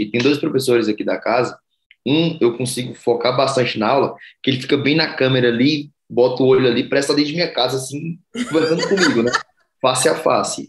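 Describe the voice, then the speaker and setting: A male university student talking chattily over a video call, sharing his experiences in a class discussion. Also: medium pitch. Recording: roomy echo.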